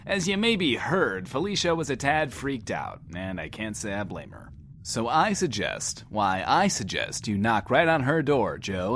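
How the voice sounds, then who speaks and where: Male radio host: theatrical, playful, mock-indignant, very lively pitch, audio drama patter over background noise. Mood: cheerful, coaxing. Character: cheeky theatrical post-apocalyptic radio show host, adult man.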